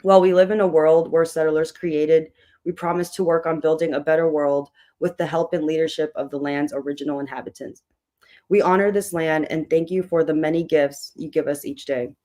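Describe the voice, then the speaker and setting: A hoarse book club host with a tired voice, chatting loosely with many fillers while opening an online meeting. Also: medium pitch, fairly even intonation, fairly quick, mellow.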